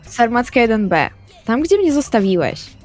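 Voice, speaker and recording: A woman's voice: on the high side, very animated, normal speed, a little mellow, faint music behind. A woman playing an evasive, harried young woman in a roleplay session, hesitant but urgent as she manages others. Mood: uneasy. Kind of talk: improvised tabletop roleplay acting.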